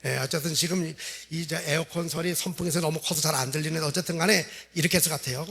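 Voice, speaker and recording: A male pastor with a fairly high voice delivers a revival sermon in a church sanctuary. He tells the story in an animated way and acts out the quoted lines. He sounds middle-aged. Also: racing, creaky, slightly rough.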